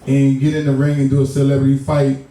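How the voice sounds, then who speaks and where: A man co-hosting a casual talk show, lively and laughing as he reads out gossip news. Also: medium pitch, quick pace, heavy reverb, far from the mic, a little hiss or hum. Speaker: co-host. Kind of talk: casual studio banter. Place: studio.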